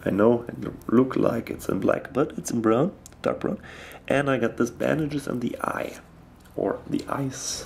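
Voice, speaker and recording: Speaking with a German accent, a man uses a medium pitch with ordinary pitch variation. His pace is moderate. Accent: non-native English, German. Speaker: miniature painting tutor. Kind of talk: tutorial. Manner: halting, many fillers.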